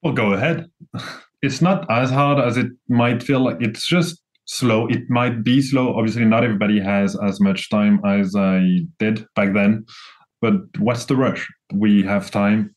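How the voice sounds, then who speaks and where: A man's voice: on the low side, steady tone, a little slow. A young man from France with a French accent, a guest chatting casually, rambling with many restarts and fillers. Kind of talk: casual conversation.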